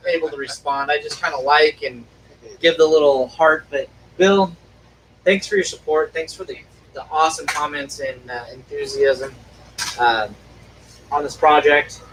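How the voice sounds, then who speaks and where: A man's voice: a little high, steady tone, normal speed, a bit bright. A man hosting a live stream in casual chat, talking chattily and thanking viewers by name. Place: workshop. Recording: distant mic with faint background noise.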